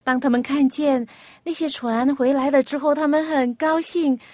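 A woman hosting a children's radio program, asking a young guest patient, coaxing questions and telling a gentle story. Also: high voice, steady tone, normal speed, no echo, studio quality.

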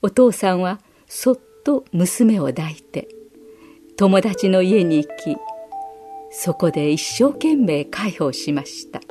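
Slow, expressive woman storyteller. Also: mid-range voice. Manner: gentle, expressive reading with acted quotes. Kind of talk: scripted children's Bible story narration.

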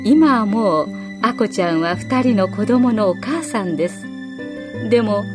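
A woman narrating a children's story in a gentle, measured storytelling manner. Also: mid-range voice, animated. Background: faint music.

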